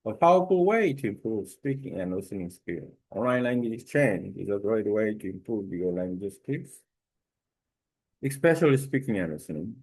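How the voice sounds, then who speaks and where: Low-voiced man with a Korean accent. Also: very animated, a little mellow, poor audio. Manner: careful, halting delivery with filler pauses. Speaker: language learner sharing a study method. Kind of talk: reading a prepared text aloud.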